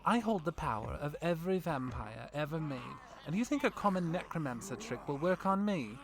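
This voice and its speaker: A woman's voice: low-pitched, very animated, fairly quick, crowd noise. A woman playing a smug, imperious ancient vampire villain in an audio drama, mocking and theatrical. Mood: furious boasting. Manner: mocking, theatrical, given to monologuing.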